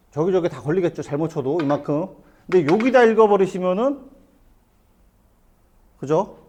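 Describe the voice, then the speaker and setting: A middle-aged man giving a hands-on billiards lesson in a billiard hall, explaining step by step and asking the viewer quick questions as he plays. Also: high-pitched, a little mellow. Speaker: billiards instructor. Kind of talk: hands-on lesson, talking while playing.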